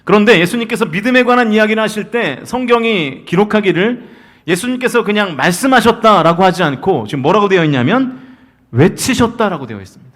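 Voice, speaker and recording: A man in his forties preaching a Sunday sermon as senior pastor in a church sanctuary, swinging between loud emphatic calls and soft storytelling. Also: high voice, lively intonation, a little fast.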